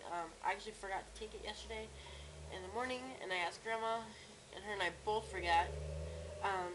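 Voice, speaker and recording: A young woman with a cracky, strained voice and sore throat, talking casually and haltingly in a personal video diary. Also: medium pitch. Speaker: vlogger. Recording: clear background noise, room ambience.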